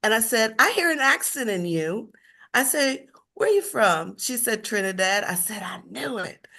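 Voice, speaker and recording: A woman chatting upbeat and animated on a group video call, telling how her work went. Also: on the high side, moderate pace. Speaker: insurance agent and team member on a call.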